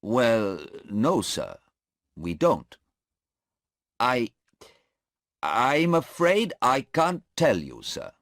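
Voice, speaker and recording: Guy reading as a nervous polite airport policeman, slow and unsure, dry sound. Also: medium pitch, huge pitch swings, fairly bright tone, no echo, pitched above the performer's own voice, exaggerated voice. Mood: hesitant.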